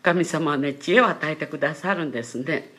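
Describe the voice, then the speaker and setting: A middle-aged woman giving a personal Christian testimony in a gentle, polite storytelling manner, acting out the people she quotes. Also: low voice, a little fast. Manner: animated storyteller who voices quoted family members; gentle, pads phrases with polite sentence tags. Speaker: church testimony speaker.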